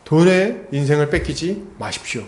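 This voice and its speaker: A man's voice: on the high side, very animated, normal speed. A man preaching an expository sermon as a pastor, talking conversationally and asking the congregation rhetorical questions. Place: church sanctuary. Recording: echoey church hall.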